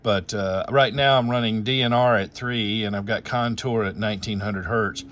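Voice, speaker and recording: A man's voice: lowish voice, fairly even intonation, normal speed, a bit bright. A man hosting as an amateur radio operator, casually talking through technical details in a rambling, explanatory way, thinking aloud as he goes.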